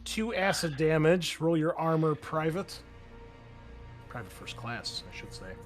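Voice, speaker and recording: A man's voice: fairly high pitch, big pitch swings, measured pace. Man game master narrating over music. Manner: vivid descriptive narration mixed with casual rulings. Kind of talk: narrating a tabletop roleplaying game.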